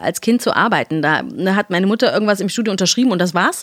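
Her voice is a normal speaking voice, a woman's at medium pitch with ordinary pitch variation. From Germany, Cologne. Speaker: voice actress and dubbing director. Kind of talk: casual interview chat.

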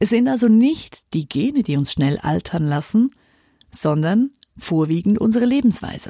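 On a very clean recording with a silent background, a woman talks at a moderate pace in a medium pitch, her dark, mellow tone sounding dry and close with no echo as it moves through very wide pitch swings. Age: 30s. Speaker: podcast host. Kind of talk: solo podcast monologue.

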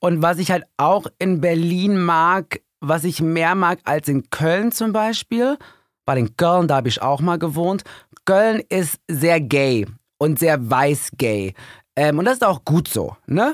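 A man with a high-pitched voice speaks at a very slow pace with lively intonation. His loudness stays very even, and the sound is dry and close with no echo, on a very clean recording with a silent background. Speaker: podcaster and TV talk show host. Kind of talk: interview.

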